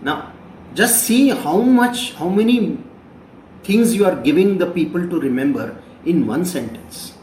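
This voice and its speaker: Lively Indian English professor lecturing. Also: male voice, high voice, measured pace, a little hiss or hum. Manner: explanatory, repeats key phrases, asks rhetorical questions. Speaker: journalism professor. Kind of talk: classroom lecture. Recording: roomy echo, voice from a distance.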